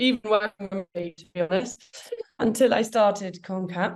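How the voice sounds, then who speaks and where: A woman at a medium pitch with a British accent. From UK. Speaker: tech company founder. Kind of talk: webinar interview. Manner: talkative.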